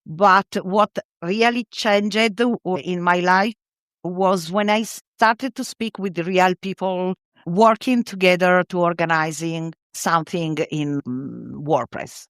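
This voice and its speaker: A middle-aged woman from Italy, speaking English with an Italian accent as a podcast guest. She talks in a halting way, searching for words. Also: lowish voice, fairly bright tone, no echo, clean studio sound. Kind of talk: casual interview conversation.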